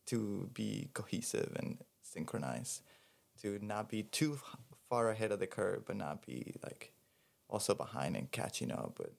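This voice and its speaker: A man's voice: on the low side, vocal fry. A man in his thirties from Venezuela, a podcast guest speaking thoughtfully and unhurriedly. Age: 30s. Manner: thoughtful, unhurried, with pauses and fillers. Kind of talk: casual chat.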